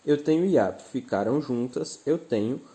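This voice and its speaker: Brazilian male teacher, dark mellow tone, mid pitch, patient and clear, leans on example words. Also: lively intonation, normal speed. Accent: Brazilian Portuguese. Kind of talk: recorded grammar lesson.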